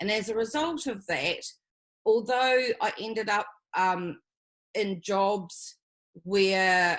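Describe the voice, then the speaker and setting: At a fairly slow pace, a woman with a New Zealand accent talks with ordinary pitch variation. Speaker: business consultant. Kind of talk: interview. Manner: energetic.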